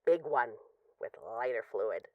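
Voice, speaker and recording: A woman's voice: a bass voice, animated, muffled recording, noisy background. A woman playing a possessive, lovesick mafia boss in an intimate, conversational audio roleplay of voicemails. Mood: wry, exasperated. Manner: conversational, teasing, halting when emotional.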